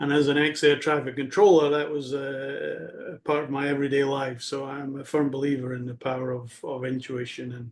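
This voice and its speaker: A man talks at a moderate pace in a Scottish accent. His fairly high voice stays flat and monotone. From Scotland. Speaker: business executive. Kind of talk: casual chat. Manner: halting.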